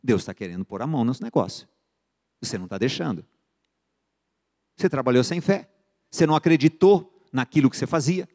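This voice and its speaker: A man's voice: mid-range voice, brisk, long pauses. A middle-aged man with a Brazilian accent teaching a church finance course, telling stories and acting out buyers and sellers in the dialogues. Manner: lively storyteller who acts out buyer and seller dialogues. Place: church sanctuary. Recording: long church reverb.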